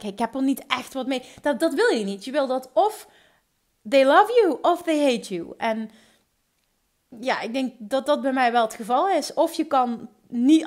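A woman with a Limburg accent, hosting a solo podcast, talking in an energetic, enthusiastic way with quick restarts. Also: high voice. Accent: Limburg Dutch. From Limburg, Netherlands. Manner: energetic, enthusiastic, talks fast with many restarts. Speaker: podcast host.

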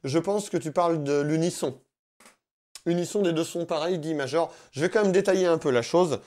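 A guitar teacher with a slightly high, darkish voice at normal speed gives a live-streamed lesson, warmly thanking viewers by name and explaining licks as he plays. Faint electric guitar can be heard behind him.

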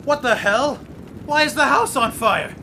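A man's voice: extremely high pitch, a little slow, very noisy. An actor playing an earnest, easily exasperated male investigator in an audio drama.

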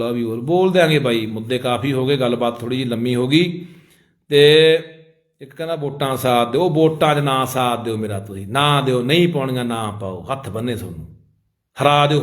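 A man's voice: mid-range voice, a little fast. A man with a Punjabi accent making an impassioned, pleading public appeal as an activist, calling his listeners brothers.

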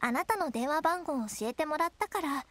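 A woman's voice: sits high, expressive, brisk, crowd noise. A woman voicing a prim, haughty rich-girl student council president. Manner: prim, refined speech.

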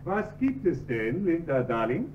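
A jovial wealthy husband. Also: male voice, a little high, sing-song, unhurried. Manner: bluff and cheerful. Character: hearty well-off husband, jovial and trusting. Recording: distant, dull radio recording with faint hum.

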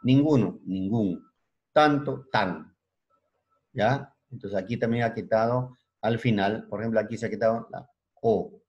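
A man teaching a secondary school language class, explaining slowly, restarting words and checking understanding with frequent short questions. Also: on the low side, a little mellow, dull audio. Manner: spells out word forms slowly, restarts words. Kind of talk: classroom lecture.

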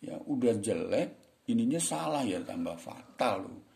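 A man with a low, mellow voice teaches grammar in relaxed everyday slang. He talks to his viewers as friends and slows right down whenever he reads an example sentence aloud. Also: creaky. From Indonesia. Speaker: English teacher. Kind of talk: casual teaching talk.

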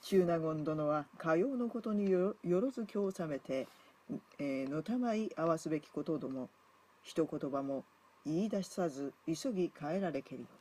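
Casual reader of an old war tale on a livestream, mid-pitched voice, breaks into chuckles and chatty comments to the chat. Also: animated, normal speed, mellow, slight background noise. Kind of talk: reading a classical tale aloud with chat asides.

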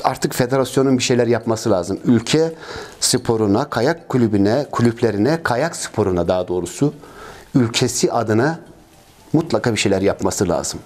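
This fifties-aged ski club president sounds animated at a moderate pace, his mid-range voice darkish, with faint music playing behind him. Wearing a lapel mic indoors in an office lined with trophies and flags, he earnestly answers interview questions, complaining at length amid many fillers and repeated phrases.

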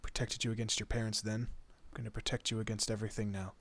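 A man playing a fiercely protective monster in a horror roleplay, with a husky, breathy voice and an intense, deliberate manner. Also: lowish voice, level tone, a bit bright. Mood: remorseful, tender. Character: protective male monster, menacing to foes, tender to his human. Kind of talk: dramatic horror roleplay audio.

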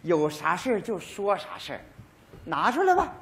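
A man's voice: high voice, sing-song, moderate pace, fairly bright tone, full character voice. A man playing a stubborn, touchy old widowed father in a stage comedy sketch, grumbling and sarcastic. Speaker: sketch actor. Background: audience laughter.

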